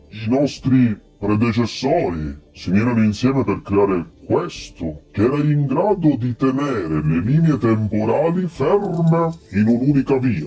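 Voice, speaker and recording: A man's put-on character voice, medium in pitch with very wide pitch swings, fairly slow with hardly any pauses, over faint music in the background. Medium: actual play. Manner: slow, hesitant, halting.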